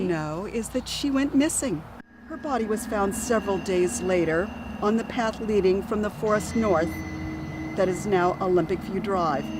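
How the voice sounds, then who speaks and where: Lively intonation runs through a woman's speech over noticeable background noise. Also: medium pitch for a woman, moderate pace. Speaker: author reading her own book. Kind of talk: ghost story reading, read aloud outdoors at a cemetery. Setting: outdoors at a cemetery.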